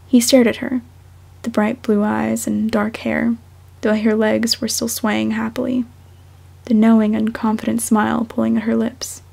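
A young woman speaking softly and unhurriedly, as an amateur reader of her own fiction. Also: a little high, level tone, unhurried, creaky. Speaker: fan fiction author and podfic reader. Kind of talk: audiobook-style story narration, then casual self-conscious chat.

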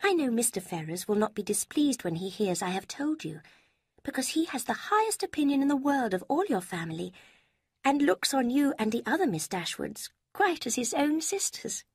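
A woman voicing a sly young woman who gushes secrets in a sweet, breathy way, with a husky tone. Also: high voice, sing-song, moderate pace, darkish tone, dry recording, clean studio sound, voice pushed up, exaggerated voice. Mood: confiding.

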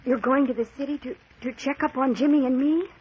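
A woman's voice: sits high, steady tone, a little fast, breathy edge. An actress playing an anxious young woman in an old-time radio mystery, hesitant and fretful. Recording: muffled old radio recording.

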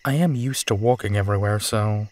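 A man's voice: lowish voice, brisk, darkish tone, close to an everyday voice. A man playing a big, tired, protective werewolf detective in an intimate, conversational audio drama, with a musing, sighing manner. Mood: relaxed, weary. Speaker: voice actor in audio roleplay.

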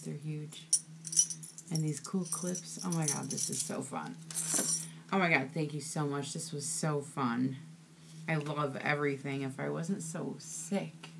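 Gushing low-voiced woman, gravelly tone. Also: a little hiss or hum, poor audio. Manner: gushing, with frequent "ooh" and "so cute". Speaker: crafting vlogger. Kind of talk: casual unboxing chat.

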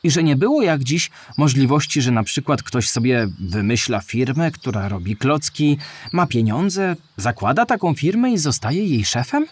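A man voicing a curious, naive little animal who asks questions in an animated educational radio play. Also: medium pitch, normal speed, breathy edge. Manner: inquisitive, wide-eyed. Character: curious, naive little animal character asking about history.

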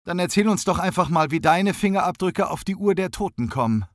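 A man voicing a young female police officer who talks briskly and matter-of-factly. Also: high-pitched, animated, no echo, clean studio sound, pitched above the performer's own voice.

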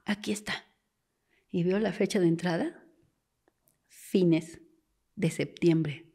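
A woman's voice: lowish voice, takes it slowly, dark tone. A woman, a forensic doctor telling stories in conversation, acting out quoted voices and sometimes dropping to a whisper. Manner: acts out quoted voices, drops to a whisper at times. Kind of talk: storytelling in conversation.

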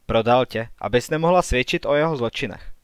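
A man voicing a stern young woman, a prophetess, questioning a slave girl in a calm, firm manner for an audiobook. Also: mid-range voice, clear, resonant tone, dry recording, studio quality, natural voice.

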